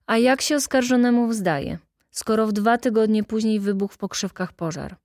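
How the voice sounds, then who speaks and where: A woman's voice: fairly high pitch, normal speed, darkish tone, no echo, clean studio sound, lightly acted. A woman voicing a thin, overworked male prosecutor who presses the accused with questions. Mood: pressing.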